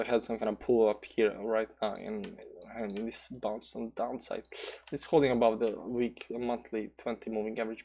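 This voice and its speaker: A man's voice: fairly low pitch, a little mellow. Rambling Balkan-accented man streaming crypto charts. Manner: rambling, many fillers and restarts; reads chat aloud and answers. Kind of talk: casual live chart commentary.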